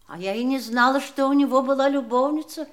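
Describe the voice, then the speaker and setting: A woman's voice: sits high, steady tone, fairly quick, lightly acted. An actress playing a trusting, wounded, genteel woman in an audio drama, with a plaintive and exclamatory way of speaking. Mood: shocked, disbelieving. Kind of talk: theatrical audio drama dialogue.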